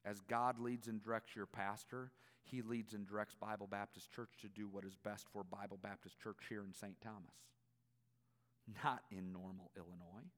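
A man's voice: on the low side, little pitch movement, moderate pace. A man preaching a church sermon as a guest, with an emphatic delivery. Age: 40s. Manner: emphatic, swinging from quiet asides to loud exclamations. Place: church auditorium. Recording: long echo of a large hall.

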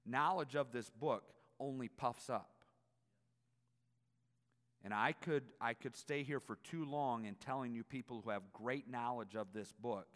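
A man's voice: mid-range voice, a little slow. A man preaching a church sermon as a guest, with an emphatic delivery. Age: 40s. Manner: emphatic, swinging from quiet asides to loud exclamations. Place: church auditorium. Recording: long echo of a large hall.

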